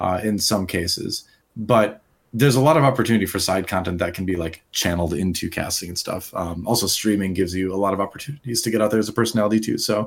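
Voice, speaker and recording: With an American accent, a man delivers his words at a very fast pace. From US Midwest, rural Wisconsin and Minnesota. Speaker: esports shoutcaster. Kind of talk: interview. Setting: online voice call.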